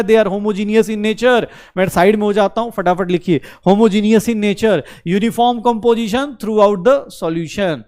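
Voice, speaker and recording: Male online chemistry tutor, high voice, brisk and coaxing, asks and answers his own questions. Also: a little mellow. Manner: mixes Hindi with English terms, calls students beta. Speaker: chemistry teacher. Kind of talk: online class lecture.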